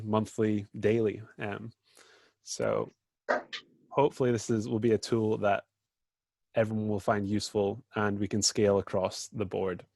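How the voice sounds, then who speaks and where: A man's voice: medium pitch, no room sound. British man, informal screen-share presenter, lots of "um"s, dry sound. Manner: informal, with frequent fillers. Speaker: data dashboard presenter. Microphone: video call.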